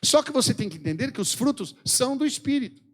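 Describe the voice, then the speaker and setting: A man's voice: very animated, quick pace. A man with a Brazilian Portuguese accent preaching a fervent, exhorting sermon at a church event. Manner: fervent, exhorting the congregation with sweeping pitch swings.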